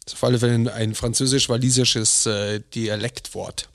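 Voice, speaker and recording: A man's voice: medium pitch, steady tone, fairly quick, vocal fry, fairly bright tone. Chatty man presenting podcast facts. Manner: chatty, explains with restarts and hesitations. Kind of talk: casual chat.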